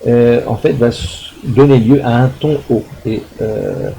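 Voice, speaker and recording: A man's voice: mid-range voice, measured pace, gravelly, warm tone, slight background noise, rough recording. A middle-aged man, a university lecturer, explaining a recorded lecture with frequent fillers, restarts and tag questions to check understanding. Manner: hesitant, many fillers and restarts.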